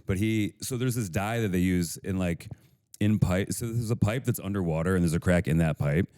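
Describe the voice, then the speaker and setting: Low-voiced chicago guy rattling off stories fast, cussing, dry close sound. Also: mellow, no echo. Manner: swearing, quick rambling storyteller. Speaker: podcast co-host. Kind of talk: casual chat.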